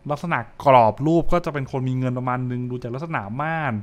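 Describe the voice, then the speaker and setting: A man's voice: mid-range voice, quick pace, clear, resonant tone. A young adult man, giving casual live reaction commentary and repeating short phrases as he thinks aloud. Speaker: streamer reacting to horror comics. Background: music.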